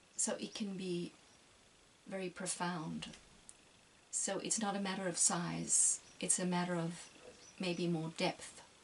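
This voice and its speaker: A woman with a fairly low pitch speaks in a somewhat breathy voice at a fairly slow pace. Her intonation is monotone and flat, with long, frequent pauses. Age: 60s. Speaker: spiritual video blogger. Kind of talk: casual reflective monologue. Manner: hesitant, many fillers.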